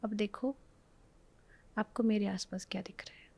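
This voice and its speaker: A woman with an Indian accent leads a guided relaxation in a soothing, repetitive, reassuring way, with a breathy voice that often drops to a whisper. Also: medium pitch, fairly even intonation, normal speed, mellow, no room sound. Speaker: spiritual healer leading a guided relaxation. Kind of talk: guided meditation, hypnotic instruction.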